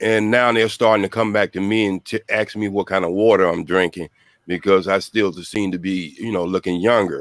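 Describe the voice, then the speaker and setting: A normal speaking voice from a man, fairly low in pitch with fairly even intonation at a moderate pace, the sound dry and close with no echo. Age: 60s. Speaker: caller in a live-stream debate. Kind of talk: casual call-in question.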